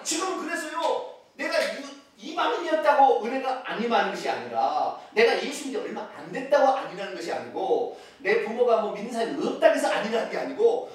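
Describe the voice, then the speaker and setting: A man preaching a sermon as pastor, with a regional Korean accent, swinging between loud exclamations and hushed asides. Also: extremely high pitch. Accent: Korean regional dialect. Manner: animated preaching with sudden loud exclamations and drops to near-whispers. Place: church sanctuary. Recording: echoey church sanctuary, from far off.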